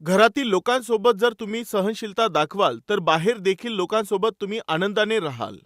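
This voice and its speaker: High-voiced male preacher, dry sound. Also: lively intonation, normal speed, fairly bright tone, no room sound. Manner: addresses listeners as dear brothers and sisters; tells stories and reads scripture aloud. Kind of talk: sermon.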